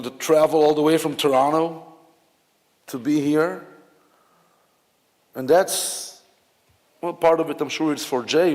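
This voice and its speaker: A man from Israel with an Israeli accent, giving a memorial eulogy in a halting, reflective way with many fillers and restarts. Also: a little high, a little mellow. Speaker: officiant at a memorial service. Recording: long hall reverb.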